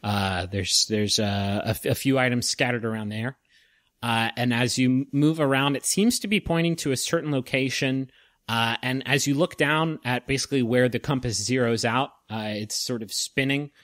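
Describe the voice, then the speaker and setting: A man's voice: mid-range voice, a bit bright, no room sound. Male game master, dry close sound, stop-start narration, swears for laughs. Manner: halting narration full of uh and restarts, joking with swearing.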